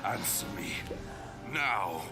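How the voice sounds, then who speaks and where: A man voicing dramatic characters in an animated fantasy adventure. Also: sits low, slow, exaggerated voice. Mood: cold fury. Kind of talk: animated series acting. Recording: loud soundtrack music over dialogue.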